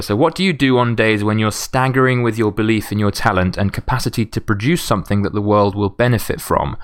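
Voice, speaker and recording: Talking at a very fast pace, a man uses a fairly low pitch with ordinary pitch variation. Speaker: podcast host. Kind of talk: solo podcast monologue. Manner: halting, with many repetitions.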